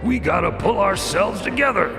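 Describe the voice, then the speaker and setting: Guy doing a gruff folksy cabaret regular yelling high and gravelly, echoey, loud music behind. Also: animated, normal speed. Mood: impatient hollering. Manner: hollering, folksy. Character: good old Joe, gruff hollering cabaret regular, folksy and impatient. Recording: echoey, roomy sound under loud music.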